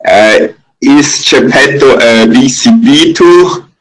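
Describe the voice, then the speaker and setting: A man from Switzerland with a Swiss accent, moderating a webinar question-and-answer session in a hesitant, halting way. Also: medium pitch, low-quality recording.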